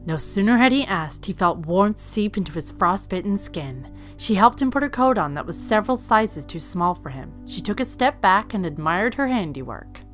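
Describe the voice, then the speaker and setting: A woman's voice: mid-range voice, expressive, moderate pace, few pauses. A woman reading scripted third-person story narration as the narrator of an audio drama. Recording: faint music behind. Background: faint music.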